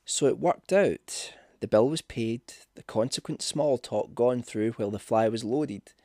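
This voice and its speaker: A man reading a scripted ghost story as narrator, with measured, dramatic delivery. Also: medium pitch, dark tone, dry recording, clean studio sound. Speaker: audiobook narrator.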